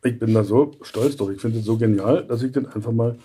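A man in his sixties, a voice actor chatting as a guest in an interview and telling stories lively, acting out little scenes. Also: medium pitch, a little fast, breathy edge. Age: 60s. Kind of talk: casual interview chat.

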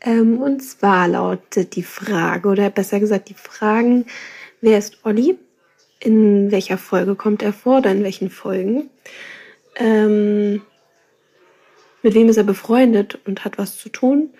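Husky, mellow young woman with a casual message. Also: medium pitch, unhurried. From Berlin, Germany. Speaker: listener sending in a quiz question.

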